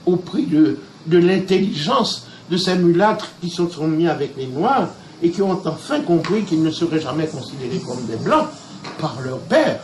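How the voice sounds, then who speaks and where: A man's voice: fairly high pitch, a little hiss or hum. A man from Haiti speaking in an emphatic, oratorical way. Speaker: interviewee. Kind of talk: impassioned commentary. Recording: echoey room.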